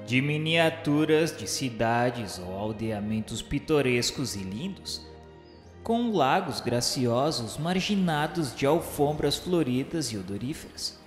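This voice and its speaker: A man gives a solemn, formal narration of a literary radio drama, with measured, reverent delivery. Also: medium pitch. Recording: echoey long reverb over music. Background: music.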